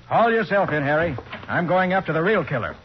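Man acting a tough, animated radio private detective. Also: on the high side, lightly acted. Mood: commanding. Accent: American. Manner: brisk, commanding, sure of himself. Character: tough, confident male private detective pursuing a killer. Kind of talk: 1940s radio crime drama acting. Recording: noisy, dull 1940s radio recording.

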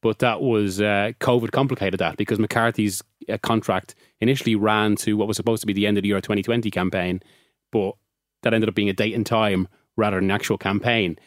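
A man's voice: fairly low pitch, fairly even intonation, brisk, dry recording. Irish guy talking football, chatty, keeps restarting, dry close mic. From Ireland. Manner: chatty, restarts often, laughs easily. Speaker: football journalist. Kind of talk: casual podcast discussion.

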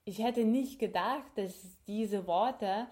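A woman's voice: mid-range voice, slow pace, warm tone. A young woman from Ukraine, co-hosting a podcast in casual conversation, reflective and thinking aloud with fillers and restarts. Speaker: podcast co-host.

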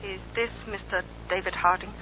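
A woman's voice: medium pitch, fairly even intonation, a little fast, bright, forceful tone, lightly acted. An actress playing a tense, mysterious woman informant in a 1950s radio drama, speaking formally and carefully over the telephone. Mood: guarded urgency. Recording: muffled, noisy 1950s radio telephone call.

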